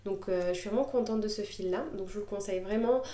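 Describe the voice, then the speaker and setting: A woman's voice: medium pitch, fast, warm tone. Chatty woman vlogging in an echoey room. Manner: chatty, hesitant, many fillers and restarts. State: just getting over a cold. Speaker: knitting podcaster. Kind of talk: casual show-and-tell vlog. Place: at home, knitting on camera.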